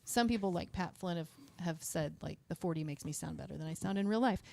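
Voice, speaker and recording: Woman, middle-aged, lower direct voice, casual explainer, dry close boom mic in a small studio. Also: fairly quick, vocal fry, mellow, no echo. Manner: explains plainly, with frequent fillers like "like". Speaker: marketing director, guest. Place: small studio room full of gear. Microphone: studio mic on boom arm, headphones on.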